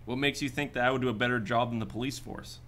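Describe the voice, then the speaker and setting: Radio drama private eye, male actor: dry, sardonic, laid-back, forward bright tone, slightly noisy recording. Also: medium pitch, fairly even intonation, fast, close to an everyday voice. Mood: businesslike. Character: wry, laid-back male private detective in futuristic Boston. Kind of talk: sci-fi radio drama acting.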